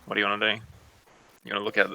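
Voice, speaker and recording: A man's voice: lowish voice, monotone, rapid-fire, vocal fry, bright, forceful tone, a little hiss or hum, poor audio. A man acting as game master, casually improvising the narration of a tabletop role-playing game.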